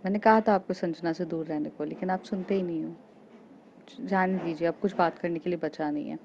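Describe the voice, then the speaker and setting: A woman's voice: on the low side, fairly even intonation, a little fast, lo-fi sound, background noise, lightly acted. A woman voicing a jealous young woman student who scolds sulkily and possessively, in a storybook romance. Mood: angry.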